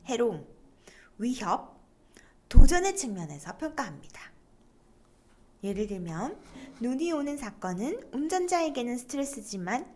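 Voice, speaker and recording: Lively woman lecturer prompting her class. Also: on the high side. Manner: lively, prompts students to read aloud. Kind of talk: online lecture on stress coping.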